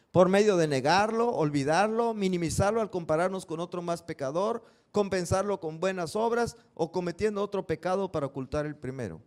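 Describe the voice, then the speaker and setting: A man's voice: high voice, darkish tone. A male pastor preaching a sermon, earnest, with rhetorical questions and vivid stories.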